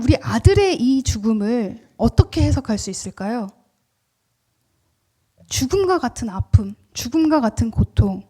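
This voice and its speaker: High-voiced woman preaching. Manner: animated, acts out quoted words, asks the congregation questions. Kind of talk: sermon. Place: church.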